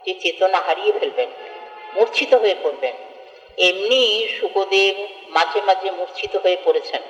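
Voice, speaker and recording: A woman from West Bengal giving a devotional scripture discourse, explaining earnestly and chanting verses slowly. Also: medium pitch. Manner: earnest expository, with slow chanted verse recitation. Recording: echoey hall, dull lo-fi, faint music.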